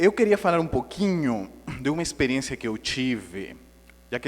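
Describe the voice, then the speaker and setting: With a non-native accent, a man speaks at a fairly high pitch with lively intonation. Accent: foreign Spanish-speaking accent in Portuguese. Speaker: spiritist speaker. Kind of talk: public talk. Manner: light humorous.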